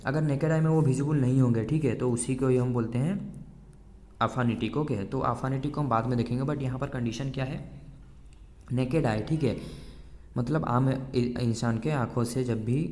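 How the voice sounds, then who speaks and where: A man's voice: medium pitch, normal speed, darkish tone. A male teacher giving an exam-prep lecture, explaining patiently, repeating key points and mixing in English terms. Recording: roomy echo.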